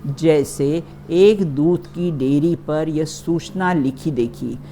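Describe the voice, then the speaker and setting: A woman's voice: low voice, slow, mellow, a little hiss or hum. A woman teaching a religious philosophy class in a study hall, checking in often with her listeners.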